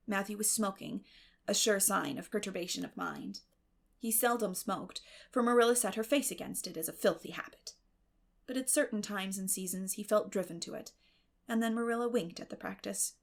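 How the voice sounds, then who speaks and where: A woman reading a classic novel as an audiobook narrator, in measured, expressive storytelling. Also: medium pitch, gravelly. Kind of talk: scripted literary narration.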